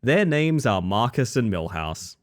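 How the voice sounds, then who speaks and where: A man's voice: mid-range voice, very animated, a little slow. A man with an Australian accent, chatting casually with his live-stream audience while gaming, reading chat aloud and swearing now and then.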